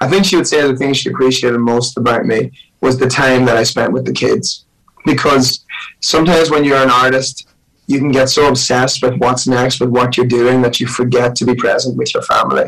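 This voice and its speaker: Speaking with an Irish accent, a man keeps a medium pitch and fairly even intonation. His pace is fairly quick, with very even loudness. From Ireland, County Monaghan. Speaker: musician. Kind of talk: casual chat.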